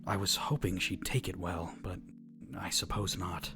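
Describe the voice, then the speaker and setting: Brooding hedgehog hero played by a man: extremely deep, stiffly formal and guarded cartoon drama voice, over music. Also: flat delivery, normal speed, pushed and bright. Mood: uneasy, resigned. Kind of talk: animated fan audio drama acting. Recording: music under the voice. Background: background music.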